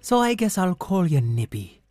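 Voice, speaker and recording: A man's voice: high voice, very animated, moderate pace, a little mellow, no room sound, clean studio sound, soft background music, pitched above the performer's own voice. Proud, vain white cat for a kids' story, haughty tone; man voices it.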